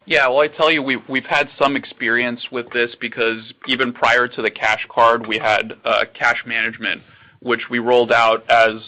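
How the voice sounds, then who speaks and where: A man's voice: medium pitch, pushed and bright, rough recording. A man speaking as a company executive on an earnings call, confident and promotional. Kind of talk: answering questions on an earnings call.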